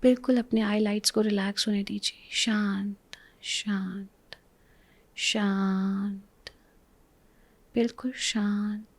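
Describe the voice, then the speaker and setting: Indian lady doing hypnotic relaxation, repeats herself softly, even pitch, slow, breathy whispery voice. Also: no room sound. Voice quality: breathy, often dropping to a whisper. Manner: soothing, repetitive, reassuring. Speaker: spiritual healer leading a guided relaxation. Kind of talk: guided meditation, hypnotic instruction.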